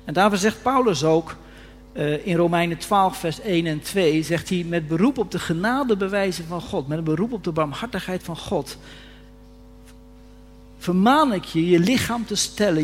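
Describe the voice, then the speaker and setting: A man's voice: high voice, moderate pace. A man preaching a sermon earnestly, often rising to fervent emphasis, recorded in a reverberant church hall. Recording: reverberant hall with faint hum.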